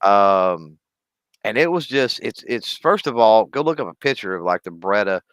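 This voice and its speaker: East Texan man, podcast co-host, smooth and resonant, dry close sound, rambling chat. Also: on the low side, expressive, moderate pace, a bit bright, no echo. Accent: East Texas. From East Texas. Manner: rambling, self-correcting, spells out names. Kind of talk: casual chat.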